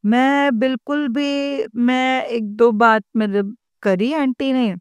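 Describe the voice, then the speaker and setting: A woman shares a devotional story in an earnest, heartfelt way. Her fairly high voice is smooth and clear, and she speaks slowly. The sound is dry and close. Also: fairly even intonation, no room sound. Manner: earnest, repeatedly addresses listeners as congregation; emotional, heartfelt. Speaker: devotee sharing an experience. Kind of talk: devotional testimony to listeners.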